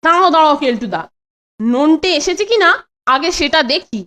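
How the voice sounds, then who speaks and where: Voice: sits high, animated, fairly quick, pushed and bright. A performer voicing a mischievous little boy in a cartoon, coaxing and cunning in a sing-song way. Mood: feigned innocence. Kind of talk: cartoon voice acting.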